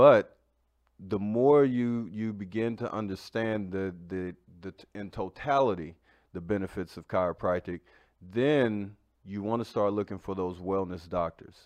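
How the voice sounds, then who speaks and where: This man has an unremarkable speaking voice with an American accent, a fairly low pitch, and a fairly slow pace, with big swings in loudness over a quiet background. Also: ordinary pitch variation. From US, small town. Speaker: chiropractor; war veteran. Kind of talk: casual interview.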